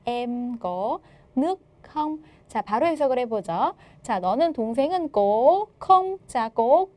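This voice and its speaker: A woman teacher walks students through exam answers in a playful, joking way. Her voice is mellow and warm, and her pitch moves up and down in big, lively swings. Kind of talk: exam explanation lecture.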